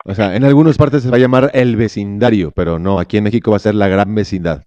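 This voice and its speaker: Deadpan Mexican producer played by a man, slightly dull. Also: lowish voice, quick pace, no room sound, natural voice. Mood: calm, businesslike. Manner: deadpan, matter-of-fact. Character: calm, businesslike male Mexican reality-show producer. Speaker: prank caller. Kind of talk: improvised phone prank. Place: small indoor podcast studio. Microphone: close studio microphone.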